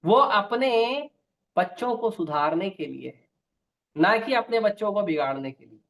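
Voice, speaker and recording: A man's voice: high voice, animated, measured pace, a bit bright. A man preaching a devotional sermon with stories, emphatic and repeating key phrases. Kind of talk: Hindi devotional sermon with storytelling. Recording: dull lo-fi recording.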